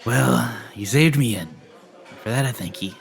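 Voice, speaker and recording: A man voicing a folksy innkeeper in a comic fantasy skit, with a gravelly, stammering, old-fashioned way of talking. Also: medium pitch, unhurried. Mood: folksy, grateful. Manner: folksy archaic speech, stammering. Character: folksy male innkeeper, grateful, given to dramatics.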